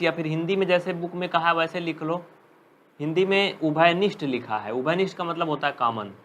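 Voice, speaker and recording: Higher-pitched man teaching math, scolding. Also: a bit bright. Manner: scolding, teasing students, reading out commenters' names. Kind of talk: live online class lesson.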